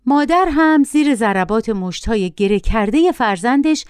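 A middle-aged woman tells a first-person story with a lively, rising-and-falling voice. Her tone is smooth and clear, and the recording is dry and close. She narrates expressively, painting each scene. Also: fairly high pitch, no room sound.

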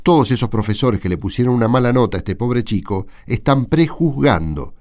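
A man's voice: mid-range voice, animated, brisk, darkish tone, lightly acted. A man with an Argentine accent acting an indignant, argumentative catechism teacher in a radio drama. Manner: argumentative, emphatic. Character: indignant male catechism teacher defending a bullied pupil.

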